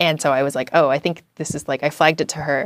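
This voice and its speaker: On a very clean recording with a silent background, a woman speaks with a Canadian accent. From Canada. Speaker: journalist. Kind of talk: casual interview chat.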